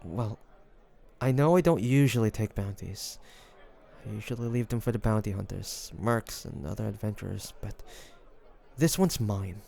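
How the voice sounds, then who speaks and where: A man's voice: lowish voice, moderate pace, warm tone. A man playing a devoted fantasy adventurer and healer in an audio roleplay, speaking intimately and earnestly. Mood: guarded, shocked, determined. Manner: intimate, earnest, with breathy sighs. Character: devoted fantasy adventurer and healer, tender toward his dragon beloved. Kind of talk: dramatic audio roleplay addressed to the listener.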